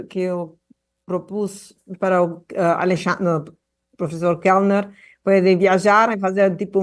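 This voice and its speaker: Woman addressing a hearing remotely, earnest, full of stops and restarts, mid-pitched. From Argentina. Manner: halting, many restarts and fillers; passionate, earnest. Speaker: guest speaker at a public hearing.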